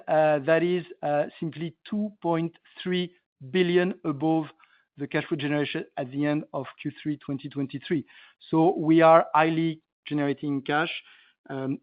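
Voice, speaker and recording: A male company executive answering analysts on an earnings call in a halting, emphatic way, repeating phrases for stress. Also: fairly high pitch, dry recording. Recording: narrow tinny phone line.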